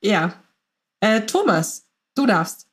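A woman's voice: medium pitch, sing-song, slow. Chatty woman hosting a casual podcast round. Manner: chatty, organizing, addresses guests in turn. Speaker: podcast host. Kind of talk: casual moderated group chat.

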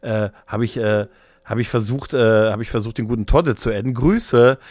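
A man's voice: mid-range voice, moderate pace, a little mellow, dry recording. A man chatting casually as a podcast host, rambling and jokey, often interrupting himself. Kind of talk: casual chat about games and films.

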